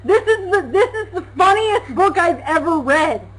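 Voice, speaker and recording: Loud, animated high-voiced woman. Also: normal speed, rough recording. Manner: loud, animated, mocking, laughs often. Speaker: co-host. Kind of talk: casual talk show chat.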